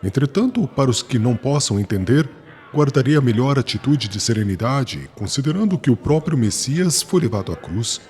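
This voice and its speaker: An actor playing a fervent, unwavering young Jewish convert in an audiobook drama, speaking in a solemn, declamatory manner. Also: male voice, mid-range voice, expressive, normal speed, a little mellow, natural voice. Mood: fervent resolve.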